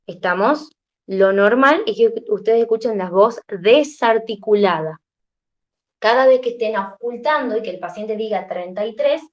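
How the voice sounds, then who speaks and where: A woman's voice: a little high, muffled recording. Tired young woman teaching a class, goes step by step, keeps asking if everyone's following. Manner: explains step by step, checks in often with "¿estamos?". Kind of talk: classroom lecture.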